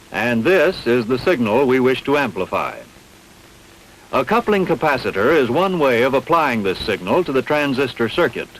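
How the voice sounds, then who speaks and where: A man reading scripted instructional narration in a measured, didactic, carefully enunciated way. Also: medium pitch, a little hiss or hum, poor audio. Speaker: training film narrator.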